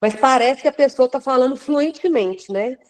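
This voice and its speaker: A woman's voice: sits high, normal speed, darkish tone, rough recording. A woman, hosting an interview and asking long, hesitant questions full of restarts. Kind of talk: casual interview chat.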